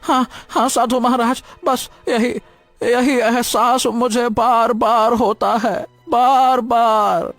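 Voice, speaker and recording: An actor voicing a weary, troubled old beggar in a cartoon story, speaking in a hesitant, pleading way. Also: male voice, very high-pitched, level tone, slow, a bit bright, dry recording, faint music behind, heavily acted. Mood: anguished.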